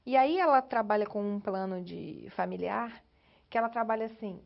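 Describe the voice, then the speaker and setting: A woman with a Brazilian Portuguese accent, telling a story in an oral history interview in an emotional, animated way, indoors. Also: medium pitch, moderate pace, gravelly, muffled recording.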